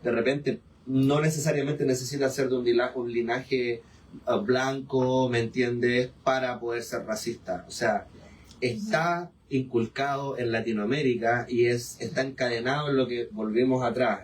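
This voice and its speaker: A man's voice: mid-range voice, steady tone, normal speed. A man with a Chilean accent moderates a live panel, pressing his points with emphatic rhetorical questions. He is captured from a distance in a forum hall. Faint room noise sits behind him. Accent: Chilean Spanish.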